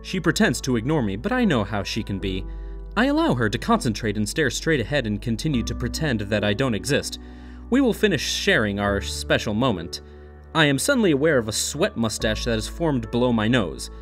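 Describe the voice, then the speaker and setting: Male narrator, theatrical and mock-serious, lively swooping intonation for scripted comedy, light music underneath. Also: mid-range voice, brisk. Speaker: humorous reader of an online classified ad. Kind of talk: dramatic reading, scripted comic narration.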